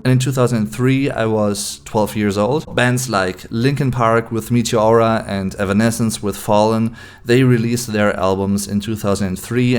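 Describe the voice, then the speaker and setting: A man's voice: lowish voice, clean tone. Chatty German man in his late twenties. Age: late 20s. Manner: chatty, mixes in German words. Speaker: YouTube host. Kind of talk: casual chat to camera.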